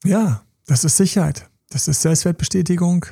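A man with a high-pitched, husky voice and vocal fry speaks at a normal speed as a podcast co-host. He gives relaxed, slangy relationship coaching and animatedly acts out quoted scenes. The audio is dry and clean, from a studio.

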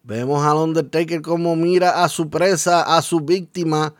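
A man's voice: fairly high pitch, steady tone, moderate pace, no room sound, clean studio sound. A man working as a wrestling commentator, calling the action move by move in short phrases. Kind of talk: wrestling play-by-play commentary in Spanish.

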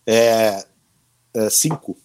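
Speaking extremely slowly in a lowish, clear and resonant voice, a middle-aged man from Rio do Sul, a longtime sports reporter, shares anecdotes as a guest in a casual interview. He tells them animatedly, performing the voices of the people he quotes.

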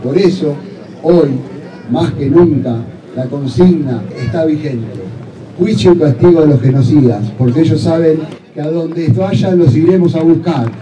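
A man giving a firm but gentle speech at a rally, recorded from a distance. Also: fairly high pitch, unhurried, background noise. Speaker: speaker at a rally. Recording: distant, echoey rally recording with loud crowd and music.

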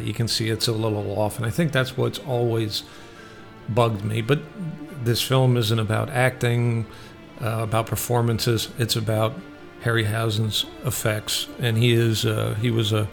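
Gravelly man hosting a casual radio show. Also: mid-range voice. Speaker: radio show host and film reviewer. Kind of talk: casual solo film review.

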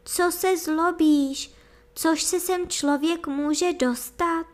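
Sorrowful young princess, voiced by a woman, raised high, soft and imploring. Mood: calm soothing. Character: young captive princess, pale, sorrowful, gentle.

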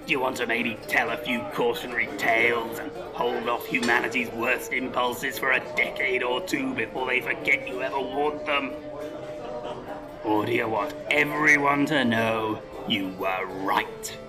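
An actor playing a scheming, pompous English writer turned dictator in a comedy audio drama, speaking articulately and persuasively. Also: male voice, medium pitch, steady tone, unhurried, music in the background, natural voice. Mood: grand, rousing.

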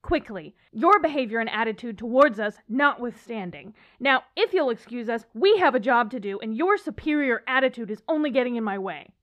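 A woman playing an impatient, sharp-tongued young female ghost hunter who snaps and scolds. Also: a little high, lively intonation, fairly quick, hardly any pauses. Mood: scolding. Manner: exasperated, snappy.

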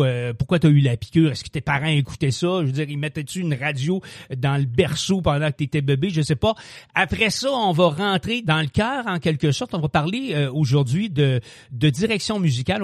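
A fairly high-pitched man hosts a podcast interview. He talks in an easygoing, chatty way. His voice sounds close and dry. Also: a little mellow, no room sound. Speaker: podcast host.

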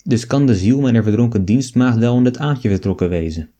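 A man reading an old novel aloud as an audiobook, in a measured storytelling way. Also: mid-range voice, animated, dark tone. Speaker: audiobook reader.

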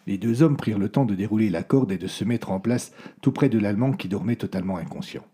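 A man narrating a story in a hushed, suspenseful way. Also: lowish voice, fast talker, breathy edge.

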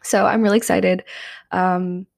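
Young woman with a creaky, chatty voice. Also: lowish voice, steady tone, unhurried. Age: young adult. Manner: casual and chatty, frequent ums. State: slightly strained voice after karaoke. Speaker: podcast host. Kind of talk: solo podcast monologue.

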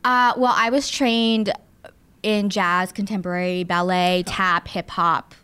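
A woman's voice: mid-range voice, steady tone, slow, sharp tone, clear, resonant tone. Chatty woman in her thirties. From born in the Philippines, raised in Southern California. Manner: chatty, with frequent fillers and asides. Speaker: guest, producer and studio owner. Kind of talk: casual interview chat.

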